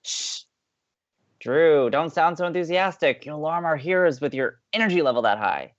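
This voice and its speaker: A man's voice: on the high side, animated, moderate pace, highs cut off, lightly acted. A man playing an upbeat, playful young college radio co-host with an American accent, teasing and eager, in audio drama banter. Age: young adult.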